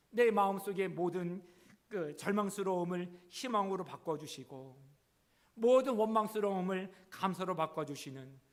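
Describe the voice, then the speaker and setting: A middle-aged man preaching a Sunday sermon in a fairly high voice. He delivers it earnestly, swelling in emphasis at key points and posing rhetorical questions to the congregation. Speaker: pastor.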